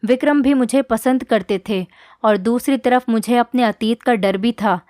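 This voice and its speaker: Female narrator, earnest scripted storytelling, higher register, dry close-mic sound. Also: a little slow, darkish tone, dry recording. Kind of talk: first-person scripted storytelling.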